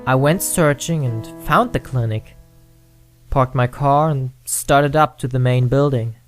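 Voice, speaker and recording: A man voicing a timid young man who stammers and blames himself, then slowly tells a ghost story in an amateur audio drama. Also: mid-range voice, soft background music, natural voice. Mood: storytelling. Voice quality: hesitant, stammering.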